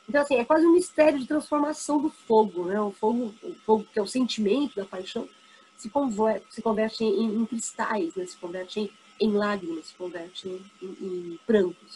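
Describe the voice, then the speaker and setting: A woman's voice: fairly high pitch, a little hiss or hum, poor audio. A woman teacher with a Brazilian accent, explaining poems in an exam review and checking in with her students. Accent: Brazilian Portuguese. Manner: explanatory, checks in often with tag questions; reads poetry aloud slowly.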